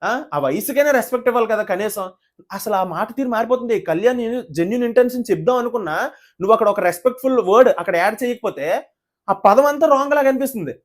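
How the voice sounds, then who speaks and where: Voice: mid-range voice, expressive, fast talker. A reality show reviewer giving casual commentary to the camera, indignant, full of rhetorical questions and direct appeals to viewers.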